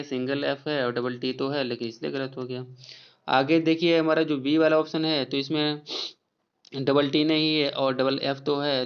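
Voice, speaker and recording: A man's voice: on the high side, clean tone, lo-fi sound. A man teaching exam spelling questions, going over each option and spelling words out letter by letter.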